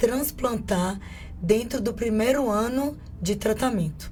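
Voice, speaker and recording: A woman's vocal fry with fairly even intonation, in audible room echo. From Brazil, Salvador, Bahia. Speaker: hematologist. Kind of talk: radio interview.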